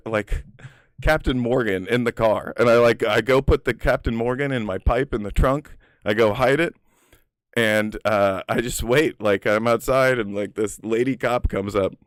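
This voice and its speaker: A man's voice: medium pitch, dry recording, clean studio sound. A man casually telling personal stories in a rambling, profane way, full of filler words. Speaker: storyteller.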